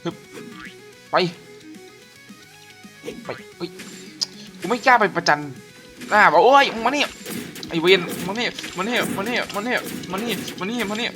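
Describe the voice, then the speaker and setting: A man giving casual gameplay commentary as a gaming YouTuber, excitable and profane, often shouting at the enemies on screen. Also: sits high, measured pace, pauses often. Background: game music.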